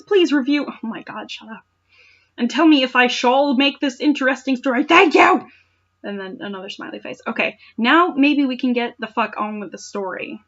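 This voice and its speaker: A woman's voice: sits high, fairly bright tone, muffled recording. A woman reading fan fiction aloud with sarcastic, incredulous asides and exaggerated dramatic narration.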